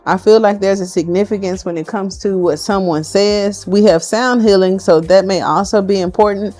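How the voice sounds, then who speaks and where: A woman doing a casual tarot card reading for her viewers, chatty and excitable as she thinks aloud. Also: mid-range voice, moderate pace, soft background music.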